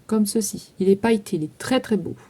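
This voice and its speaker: Mellow-voiced woman listing makeup for sale. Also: medium pitch, brisk, husky. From France. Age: 30s. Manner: itemizing prices and numbers, many fillers. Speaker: vlogger selling makeup. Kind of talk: casual sales walkthrough.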